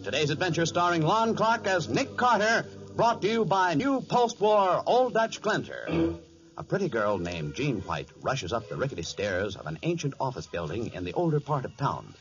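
Male announcer, emphatic scripted delivery, very animated pitch, muffled vintage radio recording. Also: normal speed, faint music behind. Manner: emphatic, theatrical. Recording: dull 1940s radio recording.

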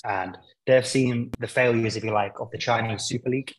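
A man's voice: mid-range voice, steady tone, a little fast, low-quality recording. A man speaking as a football pundit guest in a conversational interview, explaining his points with hesitant, searching phrasing.

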